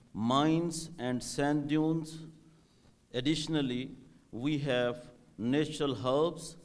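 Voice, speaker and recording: A man with a Pakistani accent, a native Urdu speaker, giving a public presentation as a tourism coordinator in halting, emphatic phrases. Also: medium pitch. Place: hotel event hall.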